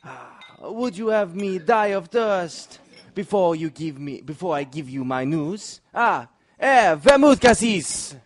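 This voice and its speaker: An actor playing a sly, greedy café proprietor and informer in a mystery drama, wheedling in broken English. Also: male voice, high voice, big pitch swings, full character voice. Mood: sly, teasing. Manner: wheedling, drawn-out, broken foreign phrasing. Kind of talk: radio-style mystery drama acting.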